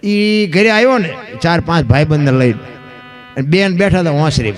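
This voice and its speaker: A man's voice: on the high side, lively intonation, normal speed. A man telling folk tales on stage in a folksy dayro style, often calling listeners bapu. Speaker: folk storyteller.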